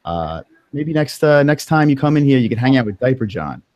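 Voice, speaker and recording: Lively New York man hosting. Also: medium pitch, brisk, dry recording, highs cut off. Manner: joking, laughs often, stumbles over words. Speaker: host. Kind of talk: casual livestream interview.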